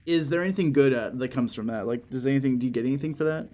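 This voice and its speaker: A man's voice: mid-range voice, very fast, mellow. A man co-streaming a game, talking casually as he reacts and asks questions. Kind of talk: casual playthrough chat.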